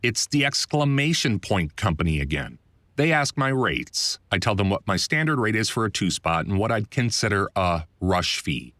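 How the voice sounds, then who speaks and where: A man's voice: on the low side, sing-song, moderate pace, a bit bright, no room sound. A man reading his own first-person book as scripted narration, in a wry, self-deprecating, conversational manner.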